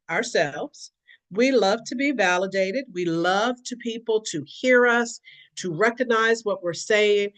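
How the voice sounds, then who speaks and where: A woman teaching a lecture to dementia caregivers. She speaks expressively and repeats key phrases for emphasis. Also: medium pitch. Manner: expressive, acts out what people with dementia might say. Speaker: dementia care educator.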